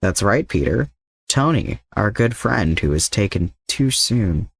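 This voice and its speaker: Man acting a composed, coaxing older villain, low-voiced. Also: expressive, a little slow, vocal fry, husky, no room sound, clean studio sound, exaggerated voice. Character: calm, manipulative older male mercenary villain.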